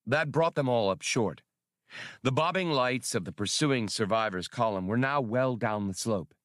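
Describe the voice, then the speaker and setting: A man reading scripted adventure fiction as an audiobook narrator, in a measured, dramatic storytelling manner. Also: mid-range voice, animated, fairly bright tone, no echo, clean studio sound.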